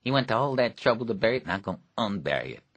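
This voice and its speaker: A man's voice: on the low side, sing-song, rapid-fire, fairly bright tone, no echo, pitched above the performer's own voice. A man voicing a neglected, bitter rural teenage boy with a blunt, grim drawl.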